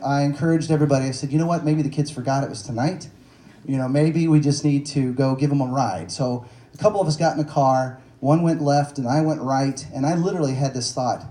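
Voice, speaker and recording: A man's voice: fairly high pitch, warm tone. A man in his forties from Texas, an author telling self-deprecating stories to an audience at a bookstore event, with fillers and jokes. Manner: self-deprecating, joking, conversational with many fillers. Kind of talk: storytelling talk at a book event. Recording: echoey room, faint noise.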